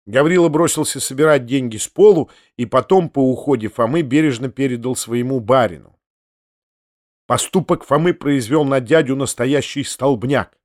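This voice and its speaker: Brief: male audiobook narrator, steady literary reading, dry studio sound. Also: medium pitch, moderate pace, no room sound.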